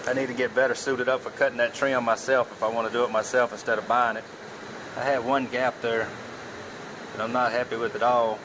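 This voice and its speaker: Man, hobby woodworker, rambling and self-deprecating, phone-recorded outdoors over loud air-conditioner hum. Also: medium pitch, little pitch movement, fairly quick. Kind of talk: casual workshop narration.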